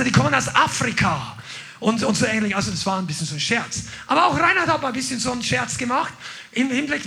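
Man, pastor, sermon, energetic, gravelly, very high voice. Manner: energetic, exclaiming to the congregation.

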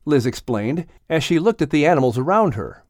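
A man's voice: a little high, sing-song, fairly quick, no room sound, studio quality. A man reading scripted narration for a children's audiobook story.

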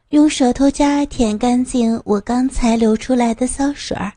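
A woman narrating a first-person adult audio story in an intimate, breathy manner. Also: on the high side, dark tone.

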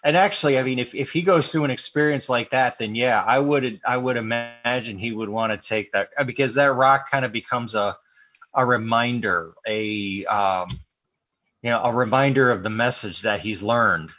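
A man's voice: mid-range voice, moderate pace, no echo, highs cut off. A man with a Boston accent hosting a casual film chat, rambling with restarts and fillers. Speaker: podcast host. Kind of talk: casual movie discussion.

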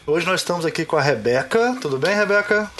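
A man's voice: fairly high pitch, expressive, quick pace, a bit bright, a little hiss or hum. A man with a Brazilian Portuguese accent hosting a podcast in casual, unscripted chat. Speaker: podcast host.

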